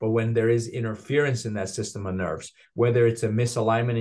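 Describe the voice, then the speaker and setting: The voice sounds somewhat breathy. The background is quiet. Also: man. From Iran. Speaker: chiropractor and author. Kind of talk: interview.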